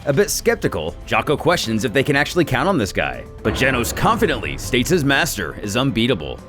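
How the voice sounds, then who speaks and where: A male host reads a scripted recap with an animated, storytelling delivery and the odd casual aside. His pitch is mid-range but swings widely. Soft background music plays under his voice. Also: a little fast. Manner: lively, expressive storyteller with asides. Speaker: channel host.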